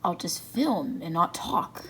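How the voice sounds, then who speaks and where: A woman with a hoarse, somewhat low voice who chimes in from behind the camera with offhand, teasing remarks. Her talk is casual and unhurried, with a faint hiss in the background. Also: expressive, a bit bright. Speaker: camera operator and co-host. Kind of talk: casual chat.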